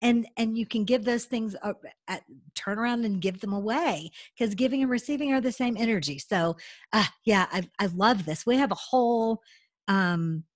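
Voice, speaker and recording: A woman's voice: on the high side, moderate pace, dry recording, studio quality. A middle-aged woman from the southern United States hosting a video-call interview, talkative and enthusiastic. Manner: enthusiastic, talkative, fillers like you know. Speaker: host. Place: home room indoors. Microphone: video call webcam.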